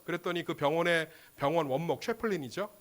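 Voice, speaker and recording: A male pastor preaching a sermon with passion, swinging between loud exclamations and hushed lines. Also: a little high, fast.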